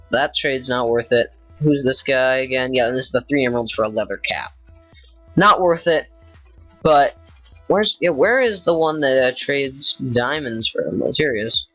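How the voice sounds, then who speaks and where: A man's voice: medium pitch, fairly bright tone, dry recording, poor audio. A man giving casual gameplay commentary, rambling offhand and thinking aloud with many fillers, sounding tired. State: tired, yawning. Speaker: gaming YouTuber.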